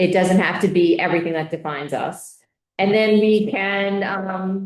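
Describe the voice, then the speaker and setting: A woman speaks with an American accent and an ordinary speaking voice. Her pitch is medium, her pace moderate, and her intonation fairly even. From New York. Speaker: committee chair. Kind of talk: meeting discussion.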